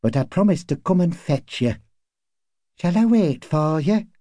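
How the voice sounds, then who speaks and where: A man's voice: on the high side, animated, a little slow, dark tone, dry recording, voice pushed up. A man voicing an anxious, deferential working-class woman neighbour in an audiobook, with urgent, hesitant, colloquial speech. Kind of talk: audiobook character acting.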